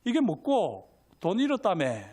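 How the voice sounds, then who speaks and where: Man doing a calm little boy with a Gyeongsang lilt. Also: sits high, measured pace, exaggerated voice. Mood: matter-of-fact. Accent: Gyeongsang dialect. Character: calm clever little boy, younger brother.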